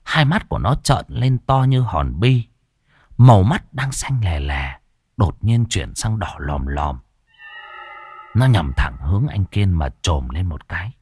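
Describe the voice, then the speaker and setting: A man narrating a ghost story in a lively, dramatic storytelling manner. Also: low voice, measured pace, slightly rough, dry recording.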